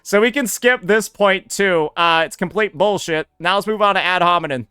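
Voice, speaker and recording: A man's voice: high-pitched, normal speed, sharp tone, clean tone, no echo, soft background music. A man doing sarcastic, profane reaction commentary as a streamer, recorded on a close mic.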